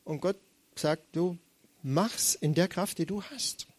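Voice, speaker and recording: A man's voice: high voice, slow, no room sound. A young man preaching a sermon, talking conversationally and acting out quoted voices with animation.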